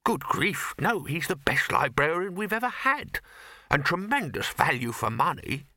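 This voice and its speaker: A man's voice: medium pitch, very animated, unhurried, sharp tone, dry recording, clean studio sound. A man voicing a nervous, deferential bursar in a comic fantasy storybook, hesitant and stammering with strained politeness. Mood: pleading, hesitant. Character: nervous, placating, deferential male university bursar at a wizards' college.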